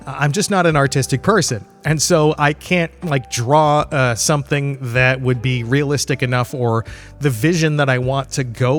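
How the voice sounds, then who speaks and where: A man hosting a solo podcast, talking in a casual, rambling, candid way with loose swearing and chuckles mid-sentence. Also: mid-range voice. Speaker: podcast host.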